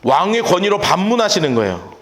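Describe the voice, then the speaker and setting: A male pastor teaching a Bible-study sermon in a church, lively, asking his listeners questions and acting out scenes. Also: sits high, a little fast, roomy sound. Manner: animated, asks the audience questions and acts out scenes.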